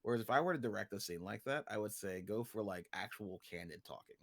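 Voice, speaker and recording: A man's voice: fairly low pitch, lively intonation, fast talker, no echo, clean studio sound. A man talking casually on a livestream as a guest writer and director, explaining things in an informal, joking way.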